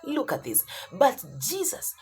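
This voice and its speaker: A woman's voice: high voice, wildly swooping pitch, measured pace, a little mellow, soft background music. A woman preaching a motivational Christian sermon, speaking emphatically and repeating phrases for effect.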